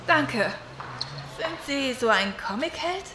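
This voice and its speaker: A woman's voice: high-pitched, lively intonation, slow. An actress playing a nervous young woman in distress in an audio drama. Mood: grateful. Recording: echoey, noisy background.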